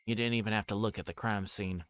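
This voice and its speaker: His voice low-leaning and clean, a man reads a story game aloud quickly during a live stream, tossing in asides. He sometimes stumbles and corrects a line. Steady background noise sits behind his voice.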